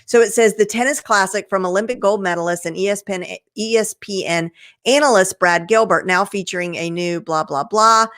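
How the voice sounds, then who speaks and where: A woman's voice: medium pitch, fairly quick, a bit bright. A woman hosting an online show, chatting casually and enthusiastically in a rambling, conversational way to her viewers. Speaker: host of an online marketing show. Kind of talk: casual chat recap to a live online audience.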